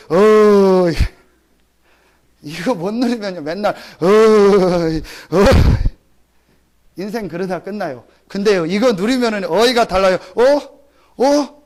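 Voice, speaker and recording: A man preaching a Sunday sermon as pastor, firing questions at the congregation and answering them himself. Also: high-pitched. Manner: call-and-response questions to the congregation; acts out short exclamations in a mock rural voice. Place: church sanctuary.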